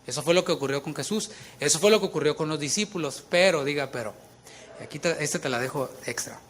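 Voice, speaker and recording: Pastor, sermon delivery, fairly high voice, emphatic with chatty asides. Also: male voice, fairly bright tone, a little hiss or hum. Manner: emphatic preaching with casual conversational asides.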